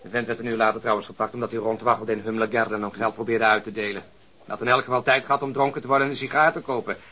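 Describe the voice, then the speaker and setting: An actor playing a dry, level-headed police detective in a radio drama, wry and matter-of-fact. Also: male voice, lowish voice, fairly even intonation, very fast, pushed and bright. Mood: wry, amused. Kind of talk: Dutch radio drama acting.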